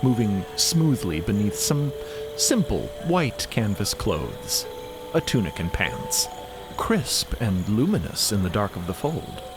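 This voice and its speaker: A man's voice: fairly low pitch, very animated, slow pace, music in the background. A man narrating a scripted story theatrically, with playful, dramatic emphasis.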